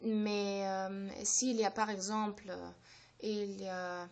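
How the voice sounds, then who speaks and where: A woman's voice: medium pitch, level tone, slow pace. Hesitant German-native woman speaking French. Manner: hesitant, many fillers and restarts. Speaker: language-learning channel host. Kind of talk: unscripted explanation to camera.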